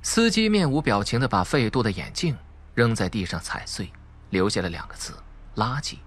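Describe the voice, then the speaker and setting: Husky man narrating a suspense audiobook. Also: fairly low pitch, huge pitch swings, fairly quick. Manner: dramatic, emphatic storytelling. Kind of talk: scripted dramatic suspense narration.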